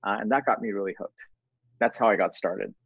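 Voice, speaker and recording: A man from Bangladesh raised in New York, a guest entrepreneur telling his stories in an energetic, self-deprecating way. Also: fairly low pitch, a little fast, vocal fry, breathy edge, no room sound, lo-fi sound. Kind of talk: casual interview storytelling.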